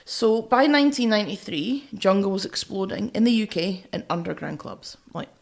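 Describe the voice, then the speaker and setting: A woman's voice: mid-range voice, normal speed, creaky. A Scottish woman co-hosting a podcast, talking through music informally in a chatty, teasing way. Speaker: podcast co-host. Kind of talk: casual music discussion, explaining from notes.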